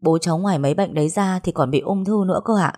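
A woman's voice: on the low side, fast talker, darkish tone, natural voice. A woman doing an anxious, polite young daughter. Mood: alarmed. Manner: polite, hesitant.

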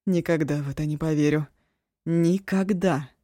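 A woman's voice: normal speed, mellow, no room sound, studio quality, natural voice. Woman voicing a volatile, sobbing young woman. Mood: harsh. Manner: fierce and sobbing, shrill outbursts. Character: young woman Ashun, proud, volatile and hysterical.

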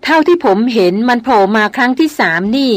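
A woman voicing a calm, protective male hunter who gently soothes and reasons. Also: a little high, fast talker, no room sound, pitched above the performer's own voice, close to an everyday voice. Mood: soothing.

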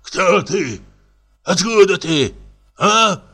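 A man voicing a drunken, bewildered male comic actor, raising his voice high and dragging out his slurred words. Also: expressive, drawn-out words, pushed and bright, full character voice.

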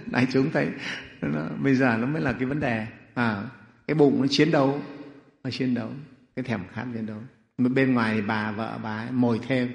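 Animated monk in echoey hall. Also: male voice, mid-range voice. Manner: animated, rhetorical questions, chuckling. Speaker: Buddhist monk. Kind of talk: sermon storytelling.

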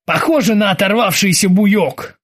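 A man's voice: high-pitched, normal speed, fairly bright tone, pitched above the performer's own voice. A man voicing a bossy, ironic male sea captain who barks orders at his crew. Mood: lazy.

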